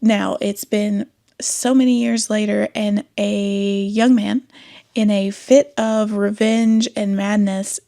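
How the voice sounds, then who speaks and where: Congested with a cold, the booktube host speaks in a mid-range, creaky, mellow voice into her desk microphone. She wanders from point to point in her casual review, frequently correcting herself and laughing.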